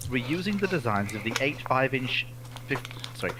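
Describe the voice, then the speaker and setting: A man's voice: mid-range voice, sing-song, normal speed, very noisy. A man chatting on a panel, reading questions out and commenting in a blunt, hyperbolic way. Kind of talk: animated casual panel chat.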